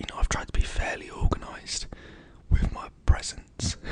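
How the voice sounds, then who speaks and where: Someone is whispering. Background noise is noticeable throughout. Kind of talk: whisper ramble. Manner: whispered.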